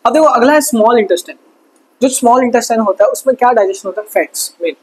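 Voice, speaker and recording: A man teaching a fast exam revision lesson, casual and chatty, asking quick questions and answering them himself. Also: extremely high pitch, lively intonation, breathy edge, low-quality recording. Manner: quizzes himself with quick call-and-response questions. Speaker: science tutor.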